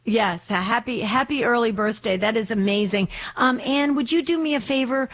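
Slightly hoarse woman hosting call-in radio. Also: fairly high pitch, normal speed. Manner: warm, devout, chatty with frequent restarts. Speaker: radio show host.

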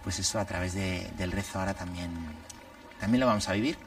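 A priest talks through his thoughts one point at a time, with a low voice. He sounds slightly distant from the microphone. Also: fast, soft background music. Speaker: priest guest. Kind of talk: conversational religious commentary.

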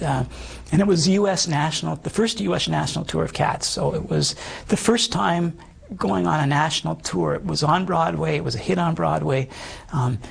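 A man around fifty with a hoarse, damaged voice, earnestly telling his life story as an interview guest, halting and full of restarts. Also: a little high. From Canada. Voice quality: hoarse, gravelly voice. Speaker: guest sharing his testimony. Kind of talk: personal testimony in conversation.

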